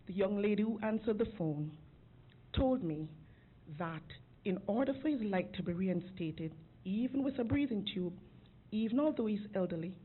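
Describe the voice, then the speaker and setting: A woman making an earnest, emotional public comment at a city council podium microphone. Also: mid-range voice. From outside Georgia. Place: city commission chamber. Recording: phone-like lo-fi council recording with faint hiss.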